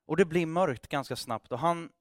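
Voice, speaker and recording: A man preaching, his voice sitting a little above the usual male range. He tells a long story in a loose, chatty way, stumbling and restarting, and acts out the lines of the people in it. The sound is dry and close, with no room echo. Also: fairly high pitch. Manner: conversational, with frequent restarts and acted dialogue. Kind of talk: sermon storytelling.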